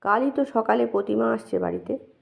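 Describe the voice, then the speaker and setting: A woman voicing an affectionate grandfather who gently questions his grandsons. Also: on the high side, brisk, vocal fry. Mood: gentle. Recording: dull lo-fi recording.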